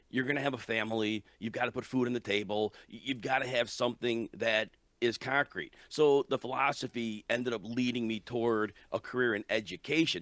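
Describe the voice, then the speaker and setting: A man with an American accent speaks at a fairly quick pace in a plain, everyday voice, with ordinary pitch variation and a dry, close sound with no echo on a very clean recording over a silent background. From US Midwest, Chicago area. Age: 60s. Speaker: fantasy sports writer, former teacher. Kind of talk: interview storytelling.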